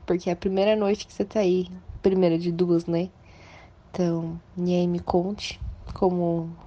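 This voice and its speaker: A woman's voice: lowish voice, mellow, lo-fi sound. A woman with a Brazilian accent giving playful, mock-serious advice to a friend in a casual chat. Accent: Brazilian Portuguese. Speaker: podcast co-host.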